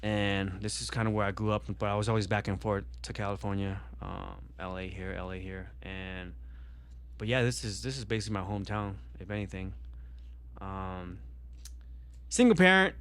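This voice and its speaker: A man's voice: fairly low pitch, normal speed, fairly bright tone, clean tone. A young man born in Vietnam, talking casually on a podcast and rambling with many fillers and restarts. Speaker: podcast guest.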